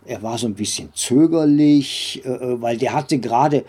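Older guy telling old stories in an interview, soft mellow tone, lots of ums and pauses. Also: mid-range voice, slightly rough. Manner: halting, with many drawn-out hesitations and tag questions. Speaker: interview guest, former comics editor and publisher. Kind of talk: conversational interview, recounting memories.

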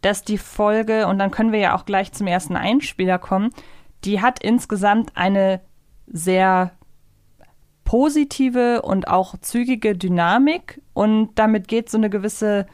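A woman's voice: medium pitch, a little slow, darkish tone, no room sound, clean studio sound. A woman, talking conversationally as a podcast co-host reviewing audio dramas.

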